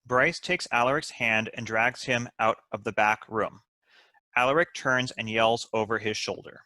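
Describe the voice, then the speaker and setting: A man's voice: medium pitch, moderate pace, sharp tone, dry recording. A man reading stage directions as scripted narration at a table read, in a matter-of-fact way.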